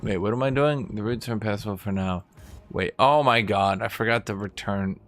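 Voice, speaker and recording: A man's voice: fairly low pitch, a little fast, fairly bright tone. A man streaming a game, chatting casually and rambling to his viewers. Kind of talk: casual chat while gaming.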